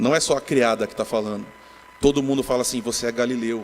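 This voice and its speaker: There is noticeable background noise. A man speaks at medium pitch with fairly even intonation. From Brazil, Northeast (Natal). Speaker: pastor. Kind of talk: sermon. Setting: church.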